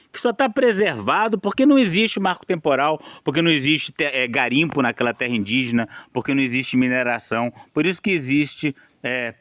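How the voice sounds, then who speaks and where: A man's voice: fairly high pitch, fairly bright tone, dry recording, studio quality. A man with a Brazilian Portuguese accent, hosting his own channel and commenting on a newspaper article. He talks with indignation, restarting often and tagging on questions. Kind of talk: opinionated video commentary.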